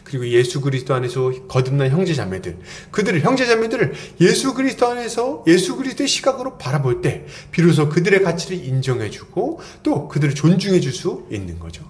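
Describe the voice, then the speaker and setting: A middle-aged man preaches to his congregation in a chatty, playful way. His voice sits a little high and swings widely in pitch. He slips into quick mock quotes to make a point. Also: very animated. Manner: conversational preaching with playful acted quotes and asides. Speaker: pastor. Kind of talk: expository sermon.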